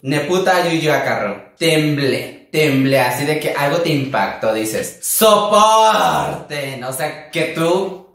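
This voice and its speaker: A man from a Wixárika community in Mexico, with a Mexican Spanish accent and Wixárika as his first language, teaching words in a campy, sassy, theatrical way. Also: slow pace. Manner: campy, theatrical, sassy with sudden pitch jumps. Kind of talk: casual playful vocabulary lesson. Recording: very echoey room.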